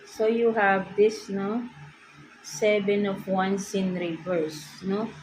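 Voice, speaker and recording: A woman's voice: mid-range voice, level tone, takes it slowly, a little mellow, low-quality recording. Chatty Filipino woman reading tarot. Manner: chatty, ends nearly every phrase with a questioning "no?". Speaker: tarot reader. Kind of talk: casual tarot reading, mixing Tagalog and English. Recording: clear background noise.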